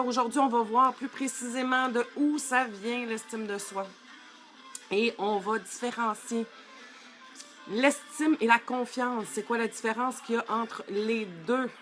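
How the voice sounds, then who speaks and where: A woman's voice: fairly high pitch, fairly bright tone. A middle-aged woman, giving a live-streamed coaching talk in a chatty way, greeting viewers by name and using many fillers. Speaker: life coach.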